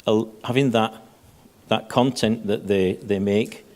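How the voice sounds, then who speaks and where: Man, panelist, halting delivery, low-ish pitch, conference stage. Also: steady tone, a little mellow. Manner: halting, repeats words often. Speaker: panelist, head of safety.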